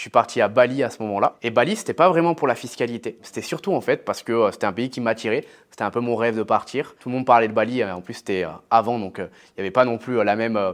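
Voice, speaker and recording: Against a quiet background, a man speaks at a medium pitch. He talks at a very fast pace. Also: ordinary pitch variation. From France. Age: 20s. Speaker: online entrepreneur. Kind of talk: casual interview.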